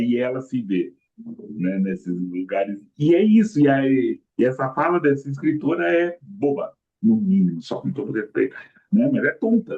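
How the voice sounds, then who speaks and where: Music plays in the background while a man speaks fairly slowly at a fairly high pitch with very wide pitch swings. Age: 60s. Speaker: literary show host. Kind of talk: interview conversation. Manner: halting, repetitive.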